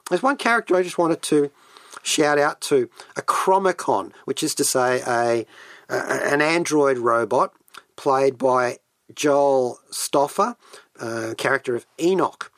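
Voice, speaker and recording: A man's voice: medium pitch, expressive, a little slow, fairly bright tone, no room sound. Geeky male radio host, dry close sound. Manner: geeky, enthusiastic, rambling asides. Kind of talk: chatty solo radio monologue. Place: radio studio.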